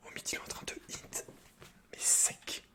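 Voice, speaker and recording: A man's voice: moderate pace, bright, forceful tone. A man whispering casual ASMR gaming chat as a streamer, swearing freely and repeating short slangy phrases close to the microphone. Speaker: video game streamer and ASMR host.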